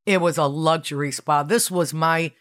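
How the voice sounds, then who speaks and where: A woman's voice: sits low, moderate pace. A woman being interviewed about her fitness career, speaking with enthusiasm and acting out what people said. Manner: enthusiastic, animated, acts out quotes. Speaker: guest, fitness studio founder. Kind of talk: conversational interview storytelling.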